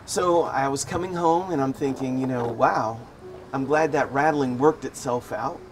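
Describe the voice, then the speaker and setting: Man, casual vlog storyteller, wry and amused, mid-pitched voice, faint music behind. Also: normal speed. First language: English. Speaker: vlogger. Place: living in Thailand.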